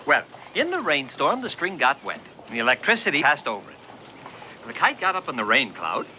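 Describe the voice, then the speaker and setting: An actor playing a genial, wise older male printer with a lively, lightly humorous manner in a television drama. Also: mid-range voice, brisk, a little hiss or hum, heavily acted, rough recording. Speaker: Benjamin Franklin figure.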